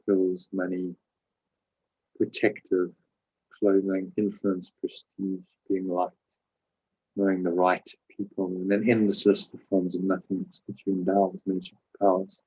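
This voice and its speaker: Low, husky man guiding a meditation. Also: dull audio. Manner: calm, measured instruction with pauses. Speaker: meditation teacher and host. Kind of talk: guided meditation with spiritual teaching.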